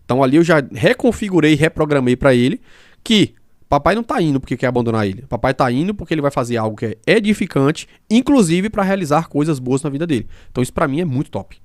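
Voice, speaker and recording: A man talks quickly and emphatically as a podcast host, building each point with everyday examples. His voice sits a little higher than most men's, and the sound is dry and close. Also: expressive, no room sound. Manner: fast-talking. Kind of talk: casual podcast conversation.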